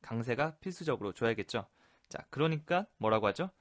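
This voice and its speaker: A man teaching English expressions in a relaxed explanatory lesson, repeating phrases slowly for practice. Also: mid-range voice, no echo, clean studio sound. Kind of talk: Korean-language English lesson explaining sitcom lines.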